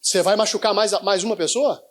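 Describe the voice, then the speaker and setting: Male pastor, high-pitched, live sermon, call-and-response with the congregation. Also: fairly even intonation, fast, fairly bright tone. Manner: prompts the congregation to finish his sentences. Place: church in front of a congregation.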